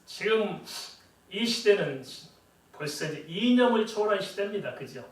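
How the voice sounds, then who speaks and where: A middle-aged pastor with a high voice preaches in a church sanctuary, his intonation lively and his pace moderate. He keeps things conversational, frequently posing rhetorical questions. The sound is echoey, as though picked up from a distance in the hall.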